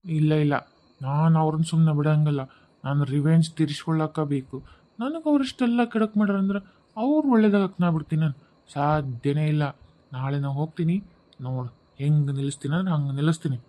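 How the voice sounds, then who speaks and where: A man's voice: a little high, a little fast, warm tone, lightly acted. A man voicing the ghost of a murdered young husband in a cartoon, speaking North Karnataka Kannada and swinging from sobbing complaints to vengeful threats. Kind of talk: cartoon voice acting.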